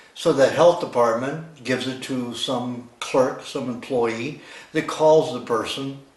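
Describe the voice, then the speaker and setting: A man speaks at a very slow pace with a medium pitch and fairly even intonation. Noticeable background noise and audible room echo fill the recording. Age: 60s. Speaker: nutritionist. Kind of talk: advocacy monologue to camera.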